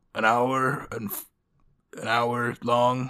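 A man performs a put-on character voice on a very clean recording with a silent background. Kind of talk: dramatic Hollywood trailer narration.

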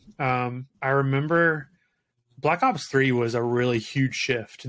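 Pitched in the middle range, this man's voice is an ordinary speaking voice whose pitch varies in an ordinary way. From South Carolina. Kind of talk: casual interview chat.

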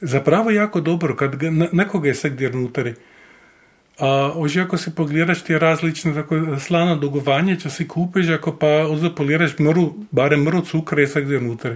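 Here is a man with a fairly high pitch. His intonation stays fairly even. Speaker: lawyer. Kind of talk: casual chat. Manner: halting.

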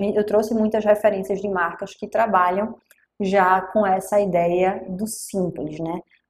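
At a fairly slow pace, a woman talks. Her pitch is medium, with ordinary variation. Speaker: design lecturer. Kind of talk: lecture. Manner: calm; hesitant, many fillers.

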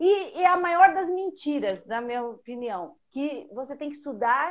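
A high-pitched woman with lively intonation. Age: 50s. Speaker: art teacher and artist. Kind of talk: live radio interview. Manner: animated.

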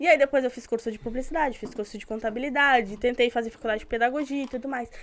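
Speaking at a very fast pace, a woman uses a high-pitched voice. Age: 30s. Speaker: comedian. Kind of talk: casual chat. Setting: studio. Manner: talkative.

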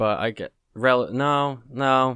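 A man speaks with an American accent in a bright, sharp tone. The recording is very clean, with a silent background. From New Jersey. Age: 20s. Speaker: podcast co-host, air force member. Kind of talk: casual chat.

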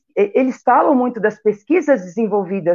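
The pitch swings very widely while the pace stays fairly slow. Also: woman. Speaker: biology teacher. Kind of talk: educational interview. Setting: live stream.

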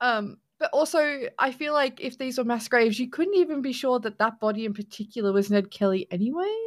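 With an Australian accent, a woman talks at a fairly quick pace. Her pitch is high and her intonation lively. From Western Sydney.

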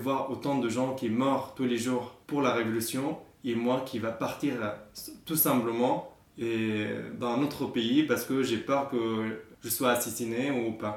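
Against noticeable background noise and audible room echo, the voice moves at a very slow pace with monotone, flat intonation. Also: man, medium pitch for a man. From Syria, Yarmouk camp near Damascus. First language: Arabic (speaking French). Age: 20s. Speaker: refugee. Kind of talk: testimony. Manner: halting.

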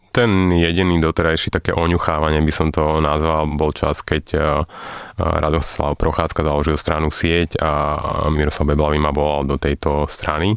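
At a moderate pace, the voice stays monotone and flat with very even loudness over noticeable background noise. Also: man, very deep, low pitch for a man. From central Slovakia, Detva region. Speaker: politician, former journalist. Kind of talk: interview. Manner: hesitant, frequent fillers.

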